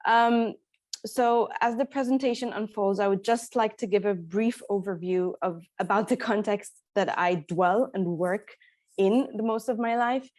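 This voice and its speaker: A woman's voice: mid-range voice, a little slow, a little mellow, no room sound. A woman from Egypt giving a conference presentation, speaking hesitantly with many fillers and restarts. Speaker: speaker presenting at an academic talk.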